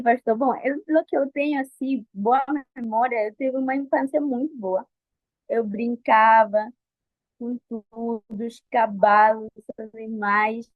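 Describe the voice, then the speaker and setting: A highish female voice, recorded dry with no echo and a phone-like quality, belongs to a Colombian interview guest in her twenties. She answers personal questions nervously in Portuguese, her second language, with a Colombian Spanish accent, hesitating and restarting many times.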